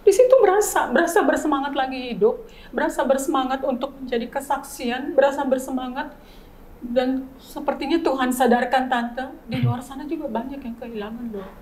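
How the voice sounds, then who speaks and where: A woman in her fifties shares her testimony as a grieving mother. She talks earnestly and repeats her key phrases for weight. Her voice sits a little high, with a faint background hum. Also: brisk, darkish tone, poor audio. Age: 50s. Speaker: bereaved mother, guest. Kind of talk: emotional faith testimony in an interview.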